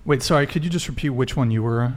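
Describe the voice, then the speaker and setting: A man's voice: mid-range voice, quick pace. A man hosting a casual dating podcast, asking direct, teasing questions of his guests. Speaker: podcast host. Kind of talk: casual panel chat.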